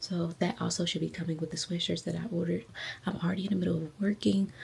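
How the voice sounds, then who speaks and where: A woman speaks at a very fast pace with a fairly low pitch and vocal fry. Her intonation stays fairly even. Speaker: vlogger and small business owner. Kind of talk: casual vlog talk. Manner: quiet, low voice.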